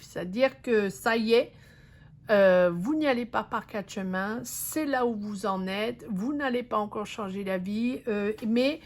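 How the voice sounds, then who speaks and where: A woman reads tarot cards for her viewers. Her voice sits a little high and she talks slowly. She hesitates often and restarts her phrases, while keeping a reassuring tone aimed straight at the listener. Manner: slow, hesitant, many fillers and restarts; reassuring, addresses the viewer directly. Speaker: tarot reader. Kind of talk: intuitive tarot reading.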